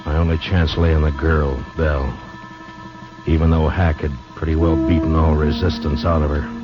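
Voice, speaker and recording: An actor playing a calm, wry frontier marshal who also narrates, heard on an old 1950s radio broadcast recording. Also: male voice, a bass voice, moderate pace, dull audio, loud music behind the voice. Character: steady frontier marshal, grown man, calm and dry. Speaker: narrator and lead character.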